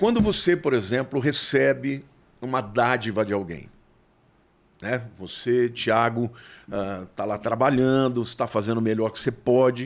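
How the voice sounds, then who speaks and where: A normal speaking voice with ordinary pitch variation and a fairly slow pace. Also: man, medium pitch for a man. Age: 60s. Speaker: pastor. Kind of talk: podcast interview.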